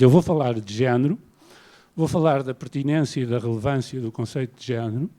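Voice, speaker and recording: A man from Portugal with a European Portuguese accent, giving an academic lecture in a measured, self-deprecating way. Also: mid-range voice, dark tone. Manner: measured, self-deprecating, paces around while speaking. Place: lecture hall.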